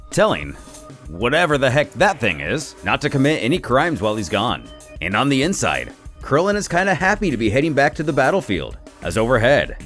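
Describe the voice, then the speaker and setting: A man narrating a scripted story recap as channel host, telling it in an expressive way with casual asides. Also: medium pitch. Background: soft background music.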